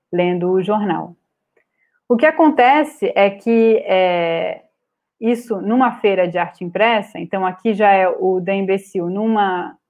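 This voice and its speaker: A woman with a Brazilian Portuguese accent giving an online lecture over slides, pausing often with fillers and restarts. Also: medium pitch, a little mellow, muffled recording. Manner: hesitant, many filler "é" and restarts. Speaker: guest speaker on art publishing. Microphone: video call webcam.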